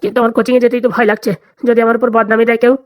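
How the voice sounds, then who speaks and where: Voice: mid-range voice, little pitch movement, rapid-fire, a little mellow, dry recording, clean studio sound, natural voice. A performer voicing an anxious, complaining older male tutor in a comedy cartoon, with a fretful, grumbling manner. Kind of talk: comic cartoon dialogue.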